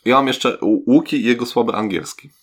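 A man's voice: mid-range voice, fairly quick, husky. A man co-hosting a casual podcast, speaking hesitantly with many fillers and trailing phrases. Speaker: podcast co-host. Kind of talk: casual chat.

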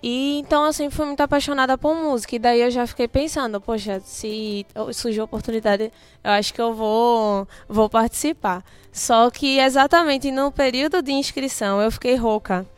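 Young woman, smooth clear voice, fairly high, animated storytelling, faint music behind. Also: normal speed. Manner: animated storytelling, quotes her own thoughts. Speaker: guest, youth delegate. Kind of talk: casual interview chat.

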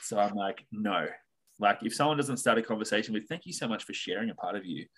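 A man's voice: lowish voice, lively intonation, fast, fairly bright tone, breathy edge. A man with an Australian accent, a podcast guest talking in a reflective, philosophical way and swearing casually. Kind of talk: casual chat.

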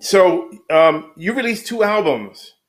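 A man's voice: high voice, animated, slow. A man hosting a podcast over a video call, chatty and a little flustered. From United States. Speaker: podcast host. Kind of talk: casual online interview.

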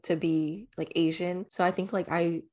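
Mulher jovem e tagarela, voz um pouco grave. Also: female voice, on the low side, level tone, moderate pace, dark tone. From United States. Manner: chatty, lots of "like" fillers, laughs easily. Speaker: podcast co-host. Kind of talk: casual chat.

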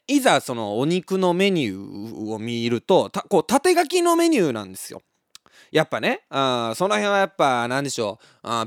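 Man, Osaka Kansai accent, casual storytelling, very lively swinging pitch, dry close sound. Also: no echo. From Osaka, Japan. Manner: animated, laughs often, many fillers.

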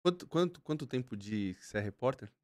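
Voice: mid-range voice, lively intonation, brisk, a little mellow. An interviewer host in a casual chat, asking questions and cheering the guest on with short replies. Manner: short encouraging backchannels.

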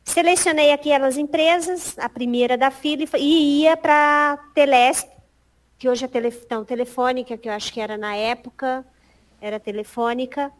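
A middle-aged woman, a guest in an interview, telling a story in a lively way and acting out past conversations. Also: high-pitched, moderate pace. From Piauí, Brazil. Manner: acts out past conversations, animated.

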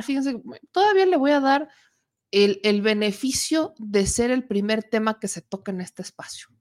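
A woman in her thirties with a Mexican accent hosts a political talk show in a chatty, joking way, still getting over a cough from allergies. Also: mid-range voice. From Puebla, Mexico. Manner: chatty and joking, with asides to the producer. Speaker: political commentary host.

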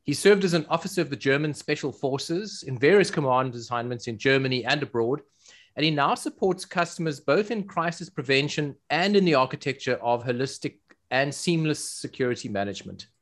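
South African man, medium-pitched voice, podcast co-host, conversational presenting. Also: expressive, brisk, a bit bright.

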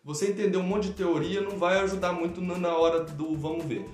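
A man's voice: high voice, fairly even intonation, a little fast, a little mellow. Brazilian man, echoey room, faint music. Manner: explains through everyday examples. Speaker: live stream host. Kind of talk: casual conversation on teaching children.

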